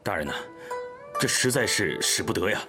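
An actor playing an earnest, modest warrior in a period drama, deferential and politely reluctant. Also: male voice, fairly low pitch, animated, moderate pace, natural voice. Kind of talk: Chinese period drama acting. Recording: very loud background music.

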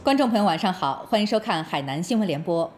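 A woman presenting scripted television news as an anchor, with formal, measured broadcast diction. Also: fairly low pitch, expressive, soft background music.

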